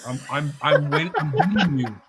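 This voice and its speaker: A man's voice: a little high, normal speed, crowd noise. A man hosting a casual sports chat over an online call, upbeat and teasing, often correcting himself as he runs through the weekly picks. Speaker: host running weekly picks.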